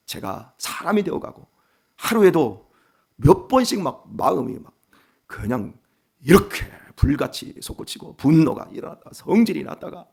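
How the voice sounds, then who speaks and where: Gravelly, husky pastor in his fifties. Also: fairly high pitch. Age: 50s. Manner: conversational and animated, acting out family quarrels. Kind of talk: early-morning sermon. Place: church sanctuary.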